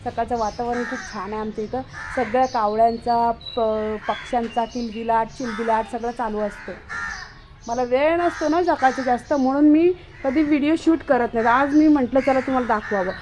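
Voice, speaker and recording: A woman vlogging casually outdoors at home while doing chores, talking straight to her viewers and calling loudly to her dog. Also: on the high side, steady tone, normal speed, background noise. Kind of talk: casual home vlog narration. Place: outdoors at home, washing dishes in the morning.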